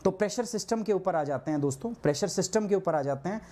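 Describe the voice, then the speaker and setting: A hoarse man teaching a live online geography class, asking his students questions and answering them himself, with English terms mixed in. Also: sits high, lively intonation, fast, warm tone. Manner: clears his throat often.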